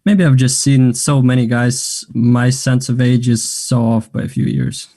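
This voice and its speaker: A man's voice: medium pitch, lively intonation, measured pace, warm tone. A man acting a flirtatious, self-assured gay man in a naturalistic table read of a play, chatty and teasing. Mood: teasing, amused.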